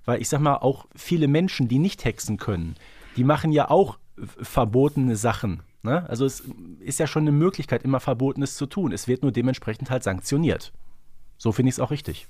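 A man's voice: mid-range voice, animated, fairly quick, warm tone, no room sound, studio quality. A man co-hosting a podcast in casual conversation, often tagging his remarks with little questions. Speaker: podcast co-host.

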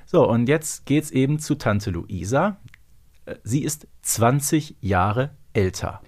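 A man around forty with a mid-pitched voice talks as a podcast co-host. He chats casually and works through details in an explanatory, analytical way. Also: lively intonation, slow, a little mellow. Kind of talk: casual fan podcast discussion.

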